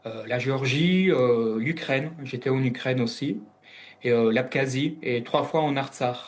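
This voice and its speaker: Man from italy, interview guest, hesitant, lots of fillers, mid pitch. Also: a little slow. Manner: hesitant, many fillers and restarts. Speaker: guest analyst. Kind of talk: interview answers.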